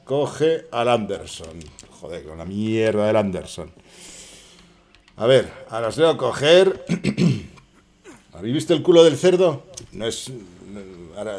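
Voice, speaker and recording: A man with a Spanish accent giving excitable, swearing live commentary while playing and chatting to viewers. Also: fairly low pitch. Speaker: gaming streamer. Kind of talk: casual live gameplay commentary.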